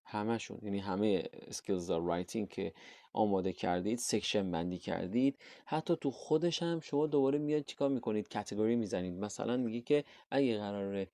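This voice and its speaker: A man with a Persian accent teaching an IELTS lesson, explaining patiently and reading English terms slowly and carefully. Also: fairly low pitch, warm tone, no room sound.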